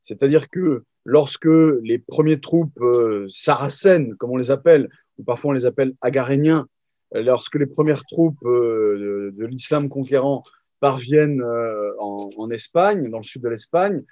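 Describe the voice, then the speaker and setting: A male historian answering interview questions in a mellow, dark voice. He hesitates constantly, restarting phrases and filling gaps with "euh". The sound is dry and close. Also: medium pitch, a little slow, no room sound, highs cut off. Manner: hesitant, many fillers and restarts. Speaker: historian guest.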